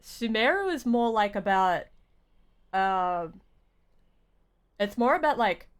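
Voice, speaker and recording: A woman game streamer giving casual live commentary, rambling and halting as she thinks aloud. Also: medium pitch, sing-song, smooth.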